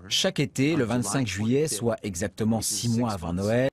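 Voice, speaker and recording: An older man calmly recounting his own experience in an interview. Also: fairly low pitch, normal speed, a crowd in the background. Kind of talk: recounting a memory.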